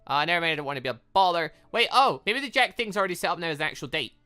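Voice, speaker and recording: A man hosts a gaming video with a bright, punchy voice that jumps around in pitch. He rambles and reasons out loud as he plays, over soft background music. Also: animated, rapid-fire, clear, resonant tone. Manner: rambling, thinks aloud. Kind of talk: let's-play commentary mixed with reading dialogue aloud.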